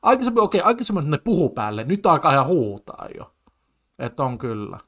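A man's voice: mid-range voice, very animated. Agitated man ranting over a debate clip. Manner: agitated, full of stammered restarts and fillers. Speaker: commentator reacting to a TV debate clip. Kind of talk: casual spoken commentary.

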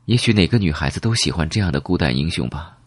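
A man voicing a calm, secretive elderly woman who reminisces in a measured, wistful way in an audiobook. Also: a bass voice, slightly rough, no echo, full character voice. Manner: slow, measured, reminiscing with rhetorical questions.

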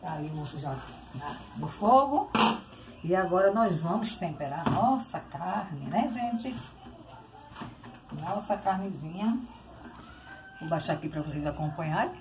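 A woman's voice: fairly low pitch, expressive, unhurried, long pauses. An older Brazilian woman in her sixties chattily demonstrating home cooking, often addressing her viewers directly. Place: home kitchen, indoors. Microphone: phone on tripod, short distance. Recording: noisy kitchen with clattering dishes.

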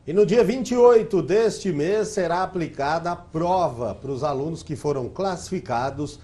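A Brazilian man in his forties anchors the news. His voice is mellow and a touch high for a man. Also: expressive, moderate pace. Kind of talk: news presenting. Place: TV news studio.

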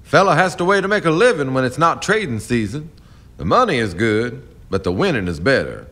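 An actor playing a confident, charming, proud riverboat captain in a radio drama, smooth-talking and self-assured. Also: male voice, medium pitch, sing-song, fairly quick, a bit bright. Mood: cocky challenge. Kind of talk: stage-like radio drama acting.

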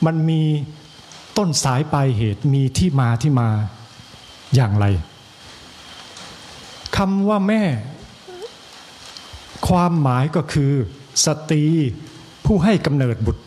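A monk with an Isan accent giving an evening sermon, slow and measured, with pauses and repetition and a joke now and then for the listeners. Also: male voice, on the high side, big pitch swings, darkish tone, a little hiss or hum. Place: temple hall.

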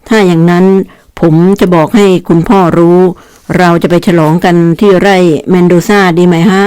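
Brief: a narrator doing an eager young man, bright and delighted, smooth clear tone. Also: medium pitch, normal speed, no room sound, close to an everyday voice. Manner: excited, delighted.

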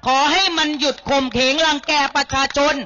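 A woman co-hosting a political rally, who quickly backs up the main speaker with constant agreement and adds her own pointed lines. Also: high voice, fairly even intonation, fairly bright tone, highs cut off. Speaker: rally co-host.

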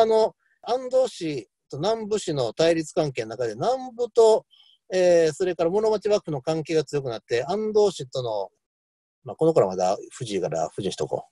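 A man giving an online history lecture, talking in a loose, rambling way full of fillers and lively asides. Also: on the high side, no room sound.

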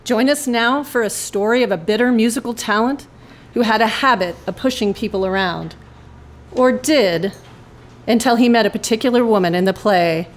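A woman's voice: on the high side, moderate pace. A woman hosting and narrating a radio drama podcast, reading scripted introductions live in a club. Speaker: host and writer.

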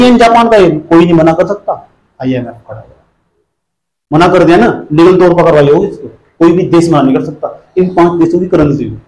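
A man's voice: high voice, darkish tone, reverberant, rough recording. A man teaching an exam-prep lecture, repeating points again and again, quizzing and scolding his students. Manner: repetitive drilling, asks students questions.

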